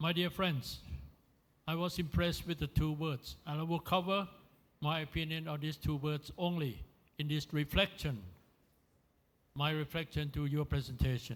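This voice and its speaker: A man's fairly high, somewhat breathy voice moves at a moderate pace, with long, frequent pauses and fairly even intonation. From Thailand. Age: 70s. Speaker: politician. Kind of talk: panel commentary. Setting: stage with audience. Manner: formal.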